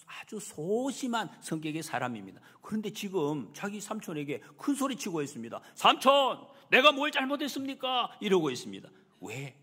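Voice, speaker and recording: Animated pastor preaching in a reverberant church. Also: male voice, on the high side, husky. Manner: animated, acts out quoted lines with raised voice. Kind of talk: sermon. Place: church sanctuary.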